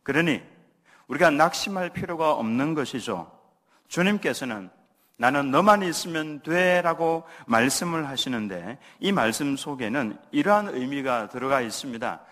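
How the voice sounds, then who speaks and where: A man preaching a sermon to his congregation, leading call-and-response readings and softly acting out a parent's gentle words. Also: mid-range voice, very animated, moderate pace. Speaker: pastor. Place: church sanctuary. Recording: long church reverb.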